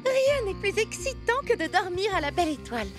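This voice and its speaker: A woman voicing a talkative young girl who puts on bravery in a children's cartoon, with an animated, chatty delivery. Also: very high-pitched, brisk. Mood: uncertain bravado. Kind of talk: French children's cartoon dub. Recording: music playing behind the voice.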